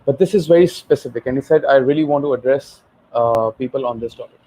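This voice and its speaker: A man's voice: medium pitch, quick pace, mellow, rough recording. A man with a Pakistani accent hosting an informal online session, explaining things with some repetition and rephrasing over an internet call. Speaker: host, HR professional.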